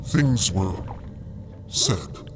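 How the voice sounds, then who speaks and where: Slow, halting man voicing a weary, gentle alien. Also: low-pitched, sing-song, background noise, exaggerated voice. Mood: apologetic, earnest. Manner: halting, courteous, apologetic. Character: gentle, apologetic, exhausted male arthropod alien crewmate. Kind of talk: audio fiction podcast acting.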